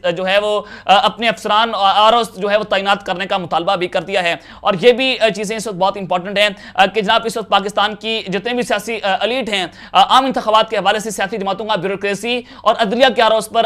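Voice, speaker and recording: A man's voice: high-pitched, sharp tone. A young man from Pakistan giving urgent political news commentary to a lapel mic, with many filler sounds. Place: home office with bookshelves.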